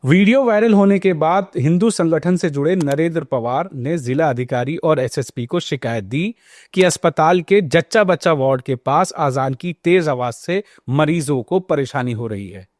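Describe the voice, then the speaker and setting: A man narrating a scripted news report as a reporter, explaining and posing pointed questions. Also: on the high side. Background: background music.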